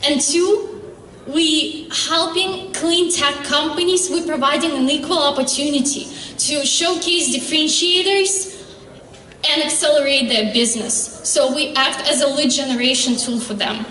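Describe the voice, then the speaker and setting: Startup founder, woman, high voice, earnest pitch with frequent pauses and fillers, heard from afar. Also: bright, forceful tone. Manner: earnest, halting with fillers and restarts. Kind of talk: pitch presentation and Q&A. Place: convention hall stage. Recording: echoey hall, distant mic.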